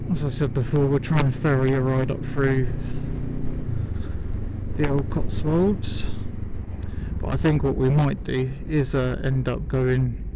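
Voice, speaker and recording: The man's speech has long, frequent pauses and very even loudness, with a dry sound with no echo and noticeable background noise. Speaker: motorbike vlogger. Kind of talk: casual vlog chat. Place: motorbike. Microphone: helmet.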